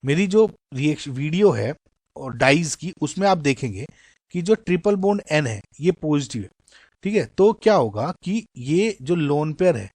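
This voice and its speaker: Here another Indian-accented male chemistry teacher chats through exam questions, slipping in English terms and repeatedly saying "guys" to his viewers. He speaks at normal speed in a slightly high, sing-song voice with a darkish tone, recorded without echo.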